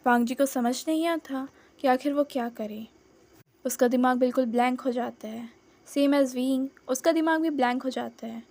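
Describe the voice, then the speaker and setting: A woman's voice: sits high, normal speed, darkish tone. A young woman narrating her own fan fiction in a chatty, dramatic storytelling manner.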